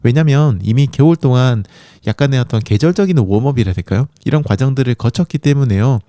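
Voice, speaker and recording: A man's voice: mid-range voice, fast, dark tone, no echo, studio quality. A man hosting a running podcast in a chatty, encouraging monologue, with a sore throat from a coming cold. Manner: encouraging, chatty, many fillers.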